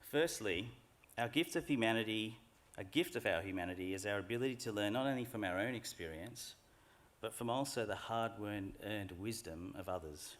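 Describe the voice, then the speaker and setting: A middle-aged man speaks in a fairly low voice. He delivers a formal graduation address at a lectern in a large hall, unhurried, earnest and reflective. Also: fairly bright tone. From Australia.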